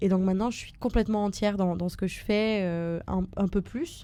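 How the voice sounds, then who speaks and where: In a very clean recording with a silent background, a woman speaks at a moderate pace and medium pitch, with a dark, mellow tone and fairly even intonation. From southern France. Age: 20s. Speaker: comedian. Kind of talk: interview. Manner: hesitant, many fillers.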